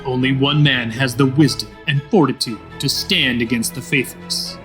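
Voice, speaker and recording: An actor playing a grandiose, theatrical announcer of a heroic space adventure serial, in old-time radio style. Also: male voice, medium pitch, steady tone, normal speed, close to an everyday voice. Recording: music behind the voice.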